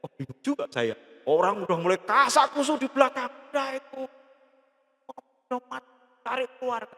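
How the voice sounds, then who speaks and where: A man with a high voice preaching to a congregation, his words ringing through a long church reverb. He tells his story with lively energy and acts out every line of dialogue. His delivery is that of a seasoned pastor. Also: moderate pace. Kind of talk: sermon with storytelling. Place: large church hall.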